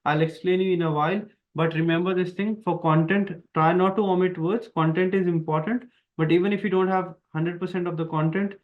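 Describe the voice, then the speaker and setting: Indian-accented man teaching, slightly higher voice. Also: steady tone, fairly quick, few pauses. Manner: explanatory, repetitive, emphatic. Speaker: exam prep teacher. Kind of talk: online lesson with slides. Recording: dull lo-fi sound.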